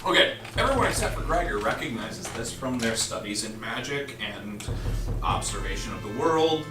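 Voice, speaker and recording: Man narrating suspensefully, very lively pitch. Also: moderate pace. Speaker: game master. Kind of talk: suspenseful tabletop game narration. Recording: roomy distant pickup, music behind.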